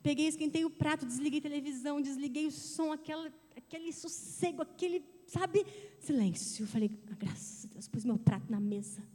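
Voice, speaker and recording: A woman in her thirties giving a testimony in a sermon, telling her story in a lively way and speaking directly to the church. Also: sits high, a little fast. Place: church sanctuary. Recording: church hall reverb.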